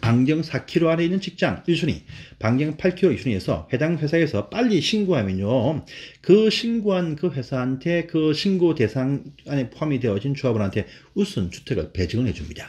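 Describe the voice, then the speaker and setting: Very wide pitch swings mark this somewhat breathy voice, heard against a quiet background. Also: man, fairly high pitch for a man, moderate pace. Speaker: professor teaching exam-prep law course. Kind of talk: lecture. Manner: halting, frequent fillers and restarts.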